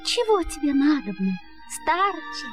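An actress voicing a gentle, regal magical golden fish in a fairy-tale audio play, with a soothing singsong delivery. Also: female voice, sits high, sing-song, measured pace, faint music behind, full character voice. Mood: regal, inquiring.

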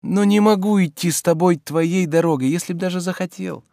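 A man voicing a weary, gentle landowner who pleads softly and shrinks back, in an audiobook reading. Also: sits high, a little fast, no echo, studio quality, voice pushed up. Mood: resigned.

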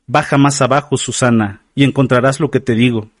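A man's voice: medium pitch, fairly even intonation, brisk, no echo, clean studio sound, lightly acted. A man voicing a stern father in an audiobook, giving insistent, commanding orders. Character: stern insistent father urging his daughter.

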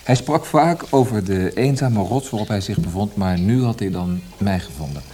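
A man's voice: on the low side, animated, moderate pace, warm tone, faint music behind, close to an everyday voice. An actor playing a disillusioned, reflective male poet with a dry irony, in naturalistic radio play dialogue. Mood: wry, reflective. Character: disillusioned Austrian poet, thoughtful and wry husband.

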